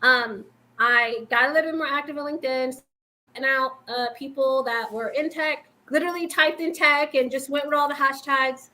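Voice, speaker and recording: A woman from Boston tells her story as a guest in a loose, chatty way. She fills her sentences with ums and likes. Her voice sits high and sounds bright and sharp. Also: normal speed, slight background noise. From Boston, Massachusetts. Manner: chatty, rambling, with many fillers and frequent laughs. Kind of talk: casual interview talk.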